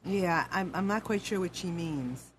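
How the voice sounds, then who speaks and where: A woman's voice: lowish voice, unhurried, slight background noise, low-quality recording. A woman hosting a call-in show, chatty and upbeat. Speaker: host. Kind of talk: radio-style call-in hosting.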